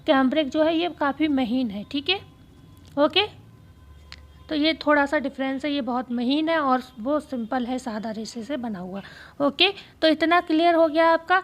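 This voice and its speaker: A woman teacher going through exam questions, speaking slowly and repeating key phrases so students can write them down. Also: high voice. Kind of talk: exam-prep lesson.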